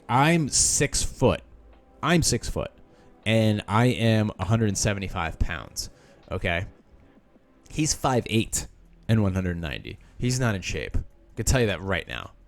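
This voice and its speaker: A man reads someone's post out loud on his podcast. He stops often to add sarcastic remarks of his own. It sounds like a relaxed, talky solo show. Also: on the low side. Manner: sarcastic asides between read lines. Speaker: podcast host. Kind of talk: reading a post aloud with commentary.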